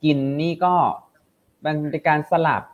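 A man's voice: unhurried, phone-quality sound. A man co-hosting a casual talk show, explaining in a chatty, informal way and thinking aloud. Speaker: co-host. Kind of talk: casual discussion podcast.

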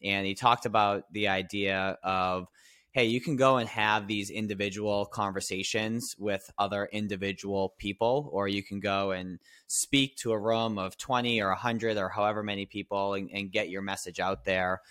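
A man with a low, smooth, resonant voice, answering interview questions in a modest, reflective way. The sound is dry and close, with no room around it. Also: steady tone, moderate pace, sharp tone, no echo. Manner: modest, reflective, thinks aloud. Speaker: podcast guest, business coach.

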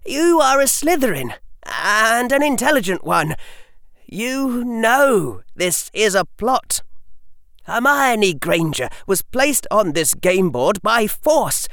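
Man putting on a high, urgent boy wizard. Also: no room sound, studio quality, full character voice. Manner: forceful, lecturing. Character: cool, precocious young boy wizard.

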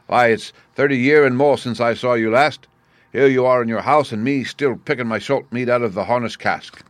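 A man voicing a wizened old sailor in an audiobook, sly and over-familiar, with rough seaman's speech. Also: medium pitch, moderate pace, dry recording, close to an everyday voice. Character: wizened, crafty old sailor, cringing yet sinister.

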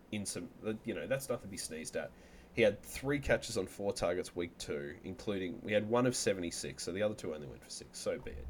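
Deep-voiced man co-hosting a podcast. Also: a little hiss or hum. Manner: upbeat, rattles off stats, apologizes for yawning. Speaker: podcast co-host. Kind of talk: casual fantasy football chat.

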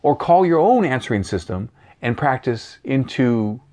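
A man speaking as a guest coach in an interview, animated and repeating key phrases for emphasis. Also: mid-range voice, moderate pace. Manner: animated, acts out voices and sounds. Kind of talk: interview answering questions.

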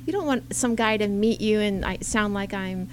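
A woman's voice: mid-range voice, moderate pace, slight background noise. A woman co-hosting a podcast, a comedian with a light, young-sounding voice, chatting in a giggly, self-deprecating way. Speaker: co-host and comedian. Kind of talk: casual podcast chat.

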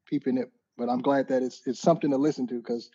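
A man talking in a halting, casual way with many restarts, heard through a crackling mic that keeps cutting out. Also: mid-range voice, steady tone, dark tone, breathy edge. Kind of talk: casual podcast chat. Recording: dull lo-fi mic with crackle and dropouts.

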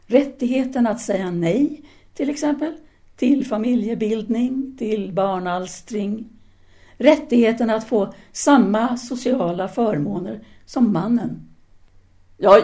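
A woman's voice: mid-range voice, warm tone, natural voice. An actress playing a self-assured, independent-minded French woman teacher in a 1930s audio drama, speaking formally and didactically. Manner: formal, articulate, didactic, with hesitant pauses.

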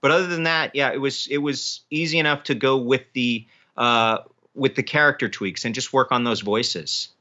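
A man's voice: mid-range voice, moderate pace, hardly any pauses, sharp tone, dull audio. A man speaking as an author being interviewed, in a casual conversational way.

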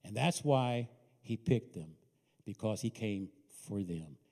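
A male preacher giving a sermon, telling a story dramatically in an emphatic manner that swings between soft and loud. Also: on the low side, expressive, takes it slowly. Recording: reverberant hall.

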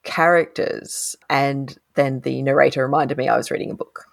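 An Australian woman co-hosting a podcast, talking through a novel in a thoughtful, animated way and laughing often. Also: extremely low pitch, normal speed, vocal fry. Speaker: podcast co-host, critic. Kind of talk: casual book discussion.

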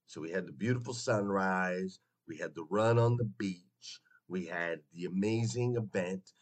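A man hosting a motivational morning livestream, hoarse as if losing his voice, talking emphatically and chattily straight to his listeners and repeating phrases for effect. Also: sits low, measured pace. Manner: folksy, chatty direct address to listeners. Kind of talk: motivational live talk to an audience.

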